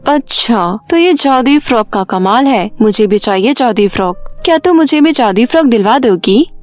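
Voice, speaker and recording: Narrator playing jealous young woman, highish voice, greedy, demanding, scheming, cartoon storybook style, woman's voice. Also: animated, moderate pace, close to an everyday voice. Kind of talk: animated storybook voice acting.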